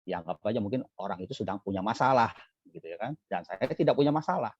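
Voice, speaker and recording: A man preaching a Buddhist sermon in a relaxed, conversational way, asking and answering his own questions and acting out little scenes. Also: lowish voice, husky, no echo, highs cut off. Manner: acts out little scenes with quick exclamations. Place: temple service streamed live.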